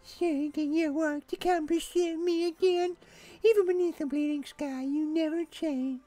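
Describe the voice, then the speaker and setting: A man's voice: extremely high pitch, steady tone, measured pace, mellow, faint music behind, voice pushed up. A man voicing a mysterious old woman who keeps the old myths, speaking in a solemn, portentous way. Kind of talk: dubbing game dialogue aloud.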